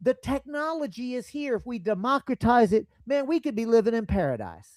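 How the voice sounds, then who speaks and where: In a Texan accent, a man talks at a fairly quick pace with an animated tone. The recording is very clean and dry, close with no echo, over a silent background. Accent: Texan Southern US. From rural Texas, Gulf Coast. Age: 60s. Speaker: podcast host. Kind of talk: casual interview chat.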